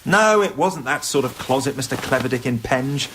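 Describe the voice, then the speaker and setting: A man's voice: mid-range voice, lively intonation, fairly bright tone, slight background noise, close to an everyday voice. An actor playing a pompous, candid gay English comedian, narrating his memoirs in an arch, wry manner for radio drama. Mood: wry, confiding. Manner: arch, wry, deliberate asides. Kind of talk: scripted first-person radio narration.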